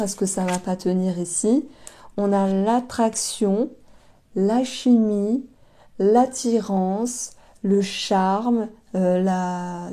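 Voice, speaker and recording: A woman's voice: mid-range voice, mellow. A woman giving a casual tarot reading to camera. She talks in a chatty, hesitant way, thinking aloud and speaking straight to her viewers. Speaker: tarot card reader.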